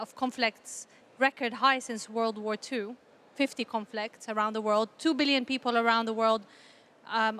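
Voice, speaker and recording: A woman from Palestine giving earnest, measured panel remarks in a formal style, often repeating phrases for emphasis. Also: fairly high pitch, a bit bright. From Palestinian, grew up in a conflict country. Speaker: panel speaker, peace initiative representative.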